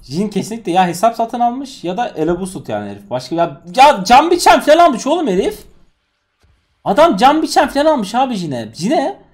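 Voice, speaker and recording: A young man giving live gameplay commentary, ranting in exasperation and swinging between loud yells and low grumbles. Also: big pitch swings, fairly quick, faint music behind. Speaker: gaming streamer.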